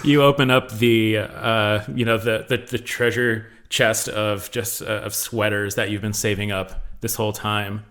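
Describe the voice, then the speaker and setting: A man's voice: lowish voice, flat delivery, measured pace, hardly any pauses, fairly bright tone. A man hosting a casual podcast chat, talking with many fillers and restarts. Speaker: podcast host. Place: Texas.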